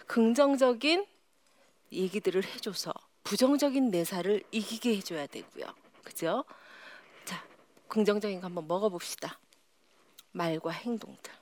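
Animated woman lecturer. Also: mid-range voice. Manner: animated, often drops to a whisper. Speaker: psychology lecturer. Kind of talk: lively lecture with audience exercises. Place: lecture hall with live audience.

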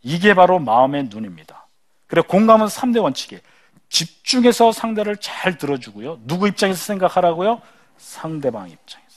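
A man's voice: sits high, big pitch swings, brisk. A man giving a storytelling lecture who asks the audience questions and acts out the dialogue. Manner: acts out dialogue in changing voices.

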